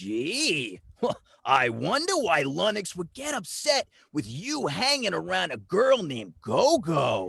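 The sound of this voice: A man's put-on character voice, high in pitch and fairly slow.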